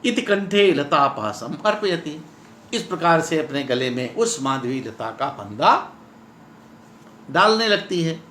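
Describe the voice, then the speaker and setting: Slow, expressive male Sanskrit lecturer. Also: a little high. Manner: recites Sanskrit lines slowly, then explains them in Hindi with dramatic emphasis. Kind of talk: reading and explaining a Sanskrit play in Hindi. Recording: echoey room with faint noise.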